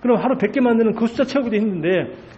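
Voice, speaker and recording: A man's voice: extremely high pitch, lively intonation, fast, mellow, dull audio. A male pastor preaching a Sunday sermon, speaking emphatically and firing off many rhetorical questions.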